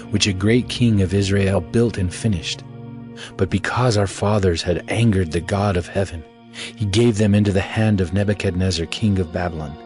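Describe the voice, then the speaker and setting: A man's voice: fairly low pitch, darkish tone, natural voice. A man voicing solemn Jewish elders. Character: male Jewish elders answering the officials, solemn. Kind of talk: dramatized Bible audio reading.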